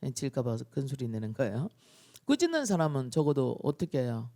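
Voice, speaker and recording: A male pastor preaching a dawn-prayer sermon, telling the story in an animated way and acting out scenes. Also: medium pitch, a little fast.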